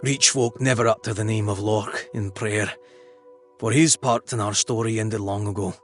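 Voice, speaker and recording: A man playing a devout tribal clansman in a video game, speaking in a grave, measured way. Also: on the low side, steady tone, faint music behind, close to an everyday voice. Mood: solemn. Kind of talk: video game character acting.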